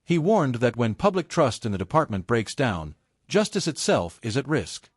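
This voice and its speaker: A man reads a scripted news summary in a steady, measured way. His intonation is lively and the voice-over sounds dry and close. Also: medium pitch, no echo. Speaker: narrator.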